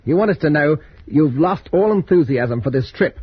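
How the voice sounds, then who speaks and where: A man's voice: a little high, lively intonation, moderate pace, husky, no echo. An actor playing a blunt, confrontational, hot-tempered space crewman in a radio science fiction serial. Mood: accusing. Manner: confrontational, sceptical. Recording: dull, faintly noisy old radio recording.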